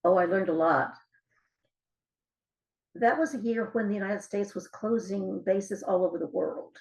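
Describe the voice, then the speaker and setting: Older female author, interview guest. Gravelly, fry-edged voice, mid pitch, reflective conversational storytelling. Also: measured pace, darkish tone, rough recording.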